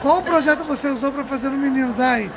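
A woman's voice: high voice, fast talker. A Brazilian woman hosting a casual live stream in a chatty, teasing way. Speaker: livestream host relaying viewer comments at a craft fair. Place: busy indoor craft fair hall. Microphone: handheld phone, behind the camera. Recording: loud trade fair crowd and noise.

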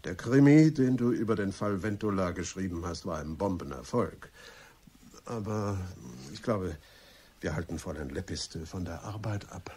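An actor playing a flirtatious, teasing male friend in a German radio play, with suave banter and a husky voice. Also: sits low, lively intonation, moderate pace, a little mellow, slight background noise. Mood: wry.

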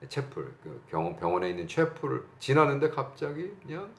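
Middle-aged Korean pastor, lively gravelly sermon delivery with roomy echo, emphatic. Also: male voice, mid-range voice, fairly quick. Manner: animated, emphatic, shouts out bursts and acts out quotes.

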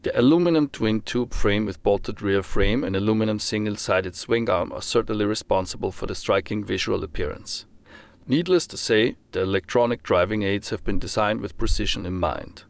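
A man with a low, gravelly voice delivers a scripted voice-over. His reading is steady and formal, and he moves through technical figures in an even, measured way. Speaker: motorcycle reviewer.

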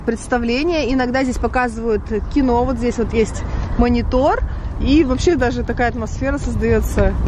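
Chatty high-voiced woman vlogging outdoors. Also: background noise. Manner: chatty and enthusiastic, laughs often. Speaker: travel vlogger. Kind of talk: casual walking vlog narration. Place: outdoors in a city in winter.

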